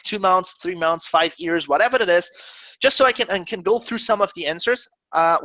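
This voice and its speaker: A high, bright male voice with a Brazilian accent, recorded close and dry. He talks earnestly to a webinar audience and keeps reassuring them with fillers and "okay?" check-ins. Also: no echo, low-quality recording. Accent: Brazilian Portuguese. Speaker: webinar host. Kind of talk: live webinar presentation.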